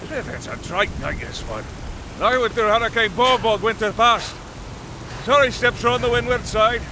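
An actor playing a blunt, jovial Scottish ship captain with a Scottish accent. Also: male voice, very high voice, animated, normal speed, background noise. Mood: breezy.

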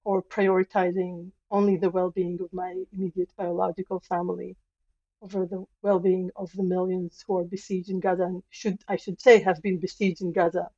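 A woman guest from Israel answers in a flat, even voice, choosing her words with deliberate care. The sound is dry and a little muffled, as if over a remote link. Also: fairly low pitch, dry recording. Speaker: history professor, guest. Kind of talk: earnest radio interview answer.

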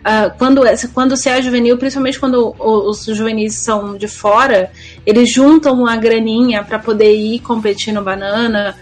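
Brazilian woman commentator, slightly high, faint music. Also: fairly even intonation, normal speed. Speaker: podcast commentator. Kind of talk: casual sports commentary.

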